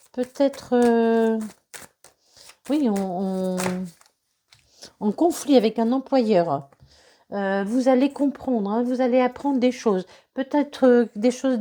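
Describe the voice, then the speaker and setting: Woman tarot reader, stuffy from a cold, mellow higher voice, halting and repetitive delivery. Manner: hesitant, many fillers and repetitions. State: has a cold. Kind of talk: tarot reading guidance.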